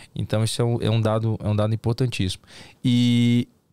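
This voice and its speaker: Recorded dry and close with no echo, a man speaks at a moderate pace and medium pitch. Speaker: urologist hosting a health podcast. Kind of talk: podcast interview. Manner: hesitant, repeats words.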